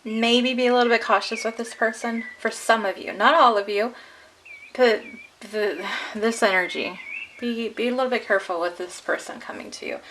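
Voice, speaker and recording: A woman's voice: on the high side, normal speed, a bit bright, a little hiss or hum, low-quality recording. A woman giving a casual tarot card reading to camera, chatty and encouraging, laughing often, her voice a little worn. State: losing her voice. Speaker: tarot reader.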